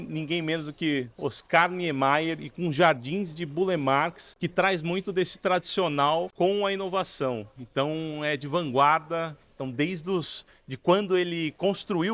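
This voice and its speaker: A Brazilian man with a slightly higher voice co-hosts in a hotel lounge on a boom mic. He speaks earnestly and formally. He restarts phrases as he goes and builds up his point. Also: normal speed, hardly any pauses, fairly bright tone. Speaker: co-host. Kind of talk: co-hosting an interview. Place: large hotel lounge, indoors. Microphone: desk mic on boom arm.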